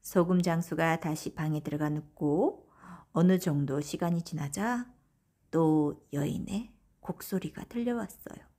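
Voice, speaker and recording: Female audiobook narrator, lowish and husky, gentle bedtime folktale storytelling with hushed phrase endings. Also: measured pace.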